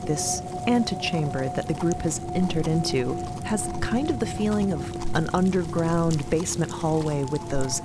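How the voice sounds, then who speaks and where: Deep-voiced woman narrating over music. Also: animated, normal speed, few pauses. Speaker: co-narrator of a fiction podcast. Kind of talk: descriptive story narration with casual asides. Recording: loud music bed under narration.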